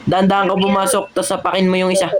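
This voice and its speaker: An excited host in a game role-play who barks quick commands and repeats words. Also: medium pitch, over a noisy crowd. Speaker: gamer host.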